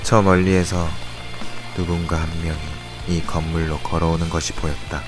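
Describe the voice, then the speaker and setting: Guy playing a brooding young schemer, really low voice, cold n curt, music under it, audio drama. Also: level tone, moderate pace, natural voice. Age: young adult. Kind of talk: Korean audio drama acting and narration.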